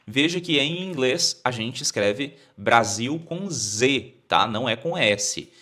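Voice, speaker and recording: Brazilian teacher with an animated, lively voice. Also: male voice, medium pitch. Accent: Brazilian Portuguese. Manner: repeats phrases slowly for learners to copy. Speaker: English teacher. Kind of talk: explaining an English lesson.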